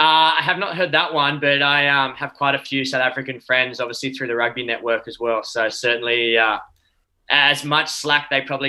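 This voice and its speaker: A bright, sharp tone in an Australian accent at a fairly quick pace. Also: man. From Australia, Hunter Valley and Sydney. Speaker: professional rugby player. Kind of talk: interview. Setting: live stream.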